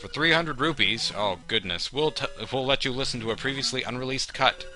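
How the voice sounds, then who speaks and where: A man's voice: medium pitch, animated, brisk, pushed and bright, faint music behind, rough recording. A man voicing a self-important frog singer from a video game, in a showy, self-satisfied manner. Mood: showy, smug.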